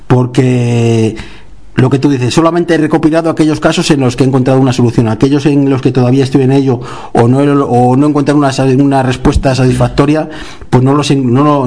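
Spanish author guy from guadalajara, chatty, acts out little dialogues, medium voice. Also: medium pitch. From Guadalajara, Spain. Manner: animated storyteller, acts out dialogue, laughs while telling. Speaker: author, interview guest. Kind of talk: casual interview chat.

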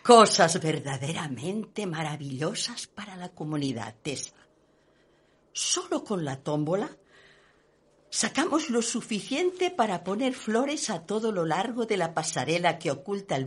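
A gossipy, snobbish society lady for radio theatre. Her voice is slightly low and husky. She is haughty and emphatic, with very animated intonation. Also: heavily acted. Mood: prim, prying. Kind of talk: Spanish radio play acting.

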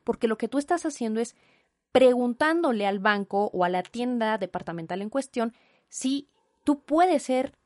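A young Mexican woman with a Mexican accent telling an indignant, animated story with asides in a storytime vlog. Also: on the high side, moderate pace, no echo, clean studio sound. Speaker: vlogger.

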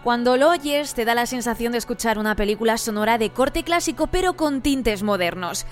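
A woman with a fairly high voice narrates a scripted radio piece. Her read is smooth and measured. Quiet music plays under her. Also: expressive. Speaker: radio reporter.

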